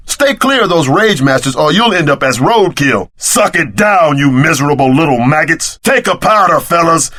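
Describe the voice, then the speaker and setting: A man's voice: high-pitched, pushed and bright, exaggerated voice. A man voicing a cocky, trash-talking action sidekick in a video game, with a slangy, punchy, swaggering delivery. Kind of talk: video game character barks.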